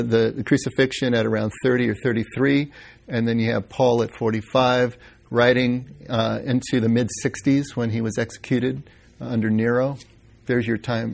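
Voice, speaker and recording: A man's voice: medium pitch, creaky, a little mellow. A man teaching Bible history in an informal lecture, answering questions and thinking aloud with fillers and restarts.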